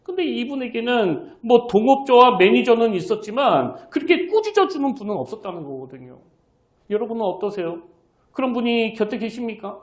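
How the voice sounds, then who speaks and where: A middle-aged man, a senior pastor, preaching a sermon earnestly, asking the congregation rhetorical questions. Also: sits high. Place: church sanctuary. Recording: echoey church sanctuary.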